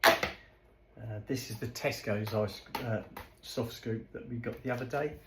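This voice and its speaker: A vlogger chats with his dog and his viewers while doing chores and preparing food in his home kitchen, giving casual running commentary. His mid-range voice is steady and unhurried. The room is echoey, with heavy background noise from dishes, kitchen clatter, and a gurgling fridge.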